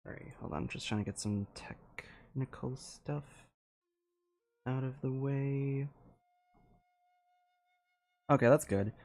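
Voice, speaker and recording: A man livestreaming a game, chatting casually in a halting, rambling way into a close microphone. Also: medium pitch, creaky, darkish tone, soft background music.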